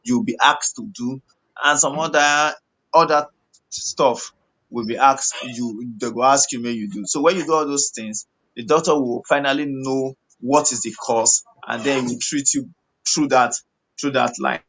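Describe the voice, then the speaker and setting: A man with a West African accent answering health questions as a doctor, explaining in mixed Pidgin and English in a halting, repetitive, reassuring way. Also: mid-range voice, a bit bright, low-quality recording.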